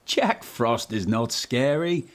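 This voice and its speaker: A man's voice: medium pitch, animated, slow. A man playing a good-humoured, reassuring male engine driver in a storybook.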